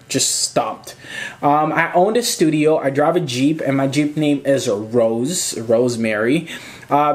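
A man's voice: fairly high pitch, darkish tone. A man in his twenties from Zimbabwe, chatting casually and rambling as he answers questions in a home vlog. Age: 20s. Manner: chatty, rambling, gestures with hands, swears casually. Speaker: photographer and YouTuber. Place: small indoor room at home.

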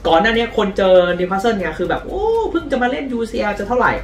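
A man hosting a casual football news vlog, chatty and lively in his storytelling. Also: sits high, fast, echoey room, distant mic. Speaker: football channel host.

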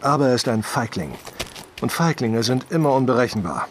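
A distrustful male gang leader played by an actor in a crime radio play. He gives firm orders in a mid-pitched voice, with faint noise behind him. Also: expressive, fairly quick, lightly acted. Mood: wary, commanding. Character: wary, commanding male criminal gang leader. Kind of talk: German crime audio drama acting.

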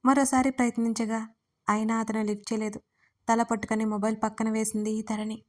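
Woman reading an audio story, kinda high voice, pretty flat pitch, steady. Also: a little fast. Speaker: storyteller and writer. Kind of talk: scripted audio story narration.

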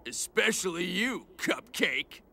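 A man's voice: high-pitched, big pitch swings, slow, vocal fry, sharp tone, full character voice. A man playing a bombastic, showboating football star villain in a video game. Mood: bombastic, gloating. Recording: heavy noise behind the voice.

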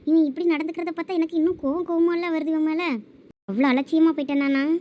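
A woman playing a scheming, spiteful ex-lover in a village drama, with a low calculating tone. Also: steady tone, fast talker, dark tone. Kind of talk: village web-series acting.

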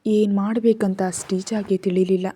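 A woman reads a serialized family drama aloud in a measured, even storytelling manner. Her voice is mellow and darkish, never sharp. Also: mid-range voice, husky. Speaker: narrator.

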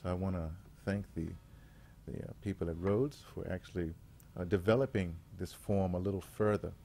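Give this a man with a low, dark voice. He addresses a gathering informally as an artistic director, pausing often to find his words. There is faint ambient noise behind him. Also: fairly even intonation. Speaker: radio theater artistic director, guest facilitator.

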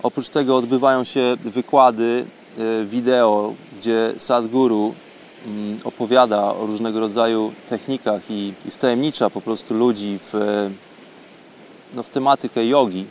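A man hosting a programme, talking unscripted as in an audio travel diary, with halting, reflective phrasing. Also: medium pitch, steady tone, a little mellow. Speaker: radio programme host. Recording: faint background ambient noise.

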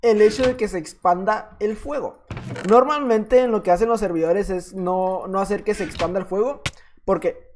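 A man's voice: high voice, normal speed, slight background noise. A man with a Mexican accent giving playful, teasing gameplay commentary as a gaming YouTuber. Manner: playful, teasing, jokey banter.

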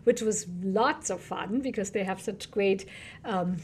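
A woman in her forties with a German accent, a historian giving an animated lecture over a video call from a small office. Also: mid-range voice, measured pace, slight background noise. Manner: animated, laughing, with short fillers. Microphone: podcast mic on desk, video call.

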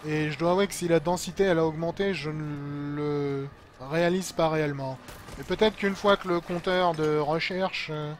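A man's voice: fairly high pitch, steady tone, moderate pace. A man giving casual, colloquial, mildly sarcastic live commentary as a game streamer. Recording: game sound clearly behind voice. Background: video game noise and ambience.

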